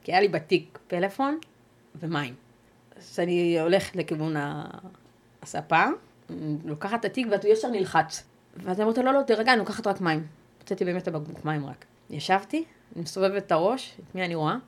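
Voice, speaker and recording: A woman with a somewhat low-pitched voice gives personal testimony as a guest on an interview podcast. Her delivery is measured and halting, broken by pauses and restarts as she searches for words.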